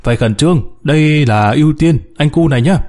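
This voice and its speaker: Man acting a brisk rescue leader. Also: on the high side, a little mellow, voice pushed up, natural voice. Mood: urgent. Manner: urgent, directing.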